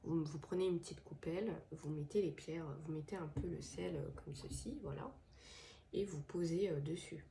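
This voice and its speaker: Woman with a cold, a bit low and dark, stuffy voice, lots of euh and restarts, faint hum behind her. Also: normal speed, gravelly. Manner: hesitant, many fillers and restarts. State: has a head cold, stuffy voice. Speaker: tarot and crystal channel host. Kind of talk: casual spoken advice to viewers. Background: washing machine running.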